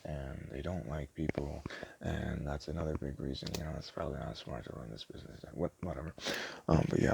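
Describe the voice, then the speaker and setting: A man doing a casual, improvised ASMR shopkeeper roleplay, soft-spoken and hesitant, rambling in a self-deprecating way. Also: rumbling low, creaky, breathy edge. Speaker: ASMR roleplayer playing a small DVD shop owner.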